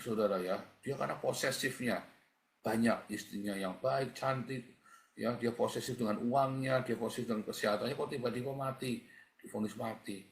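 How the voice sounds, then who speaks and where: A man's voice: medium pitch, vocal fry. A man preaching a livestreamed sermon as a pastor, in a conversational, blunt and colloquial way, often calling his listeners brothers and sisters. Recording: echoey room.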